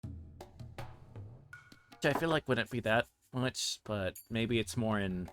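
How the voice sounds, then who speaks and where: A man's voice: fairly low pitch, expressive, slow pace, a bit bright, soft background music. A man on a livestream reading a visual novel aloud and adding casual commentary. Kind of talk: livestream game read-along with casual commentary.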